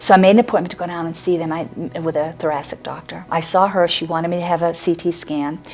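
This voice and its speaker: Very fast, flat, monotone speech from a woman with a fairly low pitch, over noticeable background noise. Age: 60s. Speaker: cancer survivor. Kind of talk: testimony. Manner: conversational with hesitations.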